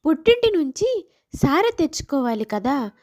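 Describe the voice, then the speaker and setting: A woman's voice: sits high, very animated, normal speed, a little mellow. A woman voicing a scheming young village wife who longs for city life, in a moral story. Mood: pressing.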